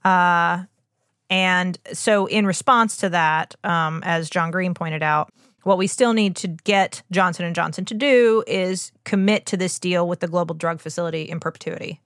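A woman's voice: fairly low pitch, moderate pace, fairly bright tone, no echo, clean studio sound. A woman hosting a podcast as a doctor, explaining in an earnest, informal way with emphatic asides. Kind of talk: conversational explainer on medicine.

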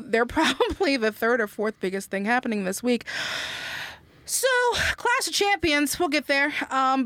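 A woman hosting a wrestling talk podcast in casual chat, playful and quick to laugh. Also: high voice, a bit bright, no room sound. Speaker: podcast host.

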